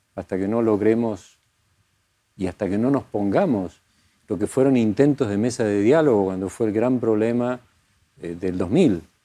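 At a moderate pace, a man talks with a fairly low pitch, a dark, mellow tone and ordinary pitch variation. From Argentina, Lomas de Zamora (Buenos Aires area). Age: 60s. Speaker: theologian and priest. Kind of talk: interview.

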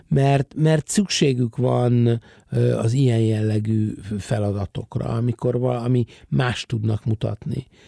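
Recorded dry and close with no echo, a man speaks very slowly at a medium pitch in a dark, mellow tone, with very even loudness and ordinary pitch variation. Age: 60s. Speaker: theatre producer. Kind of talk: interview. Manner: halting, repeats words.

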